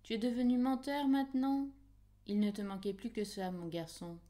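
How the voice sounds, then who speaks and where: A woman's voice: on the high side, level tone, moderate pace, mellow, pitched above the performer's own voice, lightly acted. Woman voicing a stern, scolding mother. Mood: stern reproach. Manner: reproachful.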